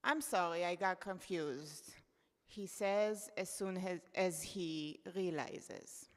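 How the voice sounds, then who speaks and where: Slow, measured woman reading aloud. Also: on the low side. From Israel. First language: Hebrew. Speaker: contributor reading at a poetry event. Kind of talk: reading her own essay aloud. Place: event hall. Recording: long reverb of a hall.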